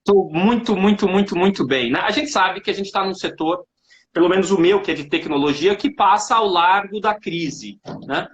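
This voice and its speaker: A man's voice: high-pitched, moderate pace, dull audio, a little hiss or hum. A man from Brazil hosting a casual live finance chat, friendly and joking as he talks over a video call. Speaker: host and finance professor. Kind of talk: casual live-stream interview.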